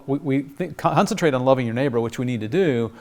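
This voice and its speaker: A man's voice: mid-range voice, fast, noisy background. A man hosts an interview in a mid-range voice. He responds to his guest with frequent short affirmations. The chat moves along at an easy conversational pace. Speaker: host.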